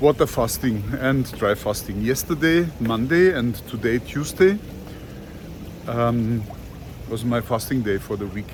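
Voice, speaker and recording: A man at a medium pitch, with ordinary pitch variation, talks at a moderate speed against noticeable background noise. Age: 60s. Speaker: vlogger and powerlifter. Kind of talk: casual vlog monologue. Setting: outdoors on a rooftop. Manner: hesitant, many fillers.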